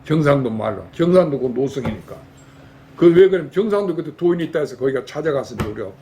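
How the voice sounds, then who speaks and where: A man's voice: a little high, lively intonation, quick pace, dark tone, slight background noise. An older man from Jeolla, a Buddhist monk giving a folksy dharma talk in a temple hall and quizzing his lay audience with rhetorical questions. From Jeolla, South Korea.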